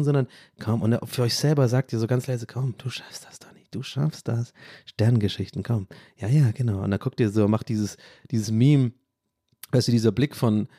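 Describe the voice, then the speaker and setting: A German-accented podcast host in his thirties who chats casually, drifting off track and laughing at himself. His voice sits at a middling pitch. The recording is dry and close, with no room sound. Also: dark tone, no room sound. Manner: rambling, loses his train of thought, self-mocking. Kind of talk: casual rambling chat.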